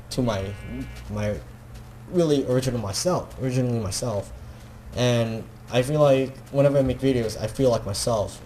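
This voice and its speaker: A teenage boy with a Filipino accent, a gaming video creator, rambles self-consciously in a casual video, full of fillers and restarts. His voice sits in the mid-range with a darkish tone, and there's slight background noise.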